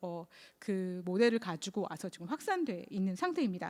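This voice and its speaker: This is an unremarkable speaking voice, moving at a moderate pace with lively intonation. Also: woman, very clean recording, silent background. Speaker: insurance researcher presenting at forum. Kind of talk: conference presentation.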